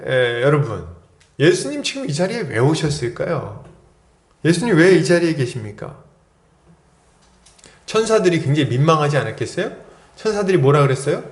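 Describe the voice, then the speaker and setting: Animated male pastor in an echoey church. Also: on the high side, moderate pace, pauses often. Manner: storytelling, acts out quoted lines with sudden loud cries. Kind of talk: sermon. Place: church sanctuary.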